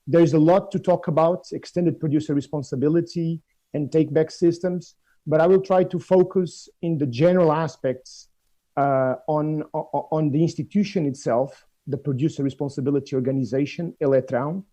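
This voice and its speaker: Dark-toned Portuguese man on a video call. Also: a little high, steady tone, normal speed. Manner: hesitant, repeats words when starting phrases. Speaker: guest speaker. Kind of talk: conference presentation. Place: office room.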